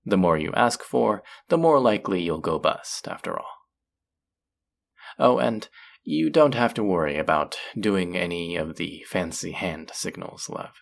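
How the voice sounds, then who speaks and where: A woman's voice: rumbling low, lively intonation, unhurried, creaky, exaggerated voice. A woman playing a flirty, possessive demon casino dealer in an intimate roleplay audio drama, teasing and taunting the listener. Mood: teasing, inviting.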